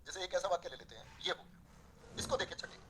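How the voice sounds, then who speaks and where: Brisk, bright-voiced Hindi grammar teacher. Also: male voice, high voice, a little hiss or hum, low-quality recording. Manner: animated, fast when excited, addresses students as dear kids. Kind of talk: online class answering student questions.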